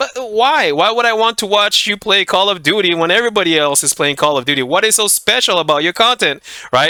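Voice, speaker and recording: A man with a high-pitched, raised and projected voice speaks at a fairly quick pace with lively intonation over noticeable background noise. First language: not English. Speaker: gaming YouTuber. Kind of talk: casual tutorial talk. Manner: fast; animated, halting with restarts.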